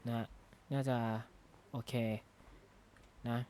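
A man's voice: extremely slow, a little mellow. A man talking casually while he plays a video game, joking and thinking aloud with frequent tag words, recorded on a close desk microphone at a gaming desk. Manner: rambling, jokey, thinks aloud with frequent "na ha" tags. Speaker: gaming YouTuber. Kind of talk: casual Minecraft let's-play commentary. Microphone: close desk mic.

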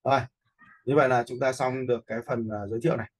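A man giving a casual, step-by-step software tutorial, informally checking in with listeners as he goes. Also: medium pitch, fairly even intonation, rapid-fire. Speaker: video editing instructor. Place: indoors, voice-over for a screen recording.

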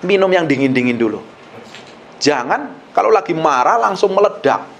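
Man, pastor, animated sermon delivery, high voice, wide pitch swings, faint background noise. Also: moderate pace, creaky. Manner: animated, acts out quoted voices, swings between loud and hushed.

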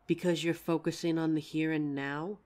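In this audio roleplay, a young woman voices a worried female werewolf who is protective of her partner. Her voice is deep and darkish with little pitch movement, delivered at normal speed and close to how she'd normally talk. She's hesitant, stammering, and sighs often.

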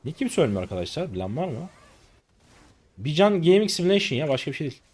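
A man in his late twenties giving live gameplay commentary as a streamer, excitable and exasperated, with rough slangy banter at teammates. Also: fairly high pitch, fast. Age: late 20s. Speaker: gaming streamer.

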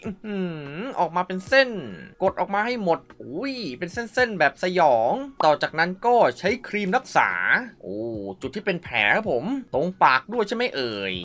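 Guy doing playful game commentary, kinda high voice, super animated, lots of oohs and little sound effects. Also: moderate pace, few pauses. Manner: expressive, full of exclamations and mouthed sound effects. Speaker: mobile game YouTuber and host.

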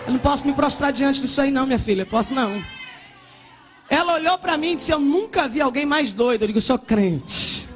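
A woman missionary from Brazil preaching a fervent pentecostal sermon and testimony, often shouting and speaking in tongues. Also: high-pitched, expressive, brisk, over music, crowd noise.

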